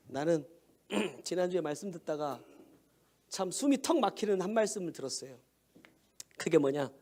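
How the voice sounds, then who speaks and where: A man's voice: a little high, animated, measured pace, pauses often, darkish tone. A male pastor preaching a sermon in a conversational way, asking rhetorical questions and answering them himself.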